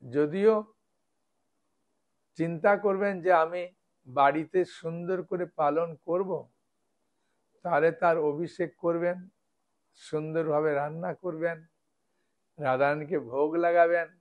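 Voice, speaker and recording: A man's voice: fairly high pitch, fairly even intonation, measured pace, pauses often, phone-quality sound. A man, a monk preacher, giving a devotional lecture and explaining step by step, often checking with his listeners.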